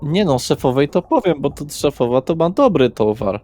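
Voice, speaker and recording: A man's voice: fairly high pitch, very animated, moderate pace, darkish tone, slight background noise. A man voicing a cocky, mouthy rich young slacker with a brash, taunting, sweary street manner. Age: young adult figure.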